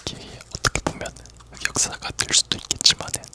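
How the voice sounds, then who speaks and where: A person whispering a casual, rambling ASMR chat in a soft, unvoiced whisper. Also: fairly quick. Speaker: ASMR video creator.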